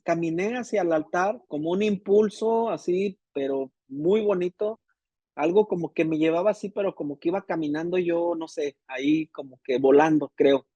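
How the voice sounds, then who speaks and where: A man recounts his conversion to a pastor in a somewhat high, mellow voice. He speaks haltingly, restarting phrases as the emotion of the memory comes back. The audio is dry and dull, like an online call. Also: dry recording. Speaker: church member giving testimony. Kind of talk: personal testimony in conversation.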